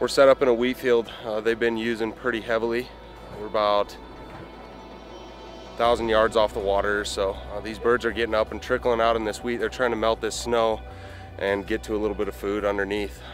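Over faint background music, a monotone, flat voice comes through with a dry sound and no echo. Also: man. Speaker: hunting outfitter guide. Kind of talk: interview answer. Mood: calm, expectant. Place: open country.

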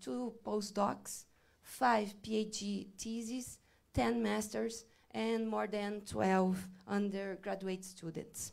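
Intonation rises and falls in a lively way. The delivery is very slow. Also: woman, quiet background. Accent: Portuguese. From Brazil. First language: Portuguese. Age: 40s. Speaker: pharmacist and biochemistry researcher. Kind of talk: conference presentation. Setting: stage with audience. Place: hall. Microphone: podium.

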